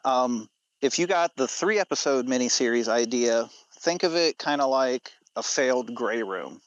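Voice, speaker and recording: A man's voice: mid-range voice, lively intonation, measured pace, no echo, muffled recording. A man speaking casually as a podcast guest. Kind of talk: casual chat.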